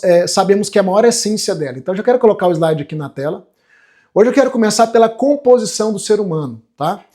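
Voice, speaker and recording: A Brazilian self-development coach in his forties, with a high and slightly mellow voice, leads a motivational live class online. He speaks earnestly and emphatically, often checking whether viewers agree.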